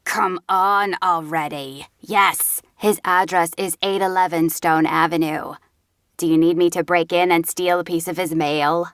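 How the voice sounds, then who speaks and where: A brusque teenage girl pushes her friend along, impatient and insistent, as a woman reads her. The voice sits low and unhurried, recorded close and dry in a storybook reading. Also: steady tone, a bit bright, clear, resonant tone, no room sound.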